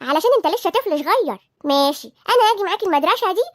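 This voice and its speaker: A woman voicing a nagging, sharp-tongued elderly grandmother who speaks with an Egyptian accent and a scolding, folksy manner in a cartoon. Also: very high voice, expressive, very fast, dry recording, studio quality. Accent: Egyptian Arabic.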